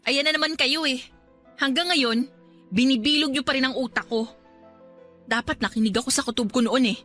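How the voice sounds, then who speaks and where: A woman's voice: a little high, a bit bright. An actress playing a wronged young female employee in a radio drama, indignant and assertive while still polite. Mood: angry, defiant. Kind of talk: Tagalog radio drama acting.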